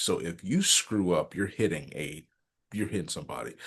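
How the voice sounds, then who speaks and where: Speaking at a moderate pace in an animated tone, a man with an American accent is heard against a quiet background. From US South. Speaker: podcast host. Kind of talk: casual chat.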